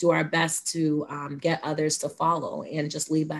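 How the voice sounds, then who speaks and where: A woman's very deep, low voice, somewhat breathy, with monotone, flat intonation. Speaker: guest. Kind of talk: discussion answer. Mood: warm, earnest. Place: home room.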